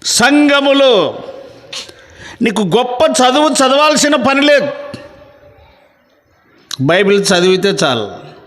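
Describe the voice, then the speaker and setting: Pastor, male, high-pitched, stern sermon delivery building to emphatic declarations, long hall reverb. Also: very animated, unhurried, long pauses, a bit bright. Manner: stern, rising to emphatic preaching. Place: church meeting.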